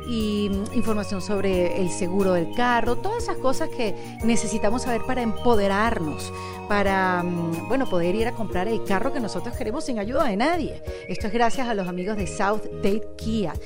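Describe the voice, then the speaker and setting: A woman from Venezuela with a Venezuelan accent, speaking conversationally as a podcast host. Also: a little high. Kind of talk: conversational interview and sponsor read.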